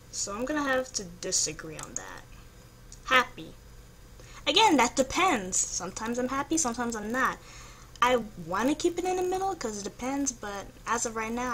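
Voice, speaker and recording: A woman's voice: a little high, a bit bright, low-quality recording. A young woman vlogger chatting casually, thinking aloud in a hesitant, noncommittal way as she works through a quiz. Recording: home recording with faint background noise.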